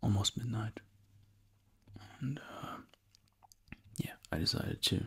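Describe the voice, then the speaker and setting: A man whispering at a fairly slow pace, with long, frequent pauses. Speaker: ASMR creator. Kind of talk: ASMR ramble. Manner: soft-spoken and whispered. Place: home room.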